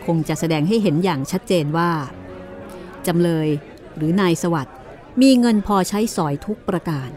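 A woman's voice: lowish voice, lively intonation, moderate pace, a little mellow, some chatter behind. A woman narrating a courtroom mystery story in a storytelling style.

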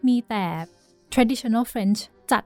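Woman podcast host, kinda high voice, rambly casual storytelling, faint music underneath. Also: steady tone, extremely slow, mellow. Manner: chatty, hesitant storytelling with fillers and English words. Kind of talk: casual chat.

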